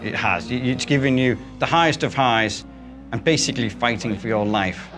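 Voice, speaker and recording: A man's voice: mid-range voice, normal speed, music in the background. A man asking short interview questions, heard from a distance. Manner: brief prompting remarks.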